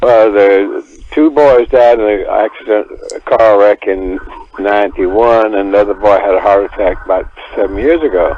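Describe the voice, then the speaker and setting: Over noticeable background noise, a man speaks at a moderate pace with very even loudness. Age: 80s+. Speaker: prank call target. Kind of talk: casual phone chat. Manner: halting.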